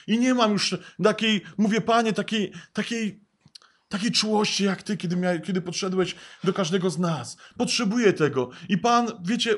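Man preacher, high voice, earnest and repetitive sermon delivery. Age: adult, father of young children. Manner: earnest, repetitive emphatic phrasing.

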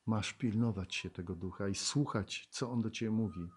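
Animated preacher, loud then hushed. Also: male voice, fairly low pitch, moderate pace, slightly rough. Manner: animated, swings from loud exclamations to hushed tones; laughs and asks the congregation questions. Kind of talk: sermon with Bible reading.

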